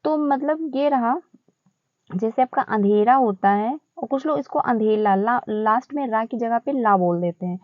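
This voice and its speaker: A woman talks through test questions like a friendly tutor, looping back over phrases with easy fillers. Her voice sits a little high, and the audio is dry and a bit muffled with no room sound. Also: normal speed, no echo. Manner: chatty, repeats phrases with fillers. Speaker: exam prep teacher. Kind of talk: casual Hindi-English teaching explanation.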